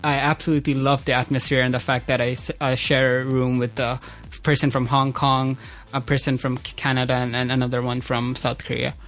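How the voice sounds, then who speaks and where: A young man from Bangladesh, a student guest on a talk show, speaking quickly with stumbling restarts. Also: mid-range voice, monotone, fairly bright tone, faint music behind. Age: young adult.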